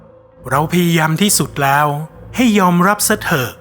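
A man's voice: fairly high pitch, animated, a bit bright. A man voicing a weary, resigned mother. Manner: slow, soothing, fatalistic. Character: weary resigned mother consoling her son. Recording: long reverb with music behind.

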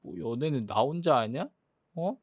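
A man's voice: medium pitch, expressive, normal speed, darkish tone, dry recording, clean studio sound, close to an everyday voice. Hurt, sulky young boyfriend, a man playing. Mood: exasperated. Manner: sulky, hurt, exasperated complaining. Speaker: jealous boyfriend in role-play. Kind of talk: boyfriend role-play drama.

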